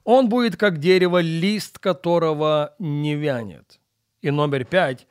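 A man preaching on the radio in a deliberate, emphatic way, repeating key phrases and letting sentence endings drop quieter. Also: fairly high pitch, clean tone, no room sound, clean studio sound. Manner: emphatic and deliberate, with repetition and rhetorical questions. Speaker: radio preacher and programme host. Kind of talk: radio sermon, Bible teaching.

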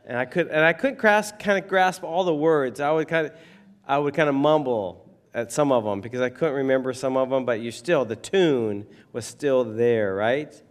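A pastor with a hoarse, froggy voice, giving a casual, rambling sermon full of fillers. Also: male voice, medium pitch, moderate pace. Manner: rambling, conversational, many fillers. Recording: hall reverb.

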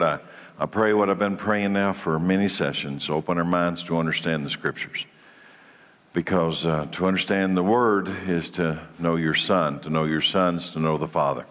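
A man's voice: rumbling low, a bit bright, long reverb tail. Congested man teaching a church class. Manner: conversational preaching with repeated restarts. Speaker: Bible study teacher.

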